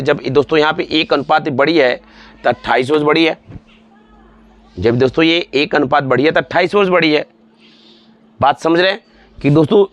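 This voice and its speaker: A man's voice: a little high, a bit bright. Male math tutor, forties, patient and repetitive exam-prep delivery, addresses students fondly. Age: 40s. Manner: repetitive, calls students friends and dear ones. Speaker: math teacher.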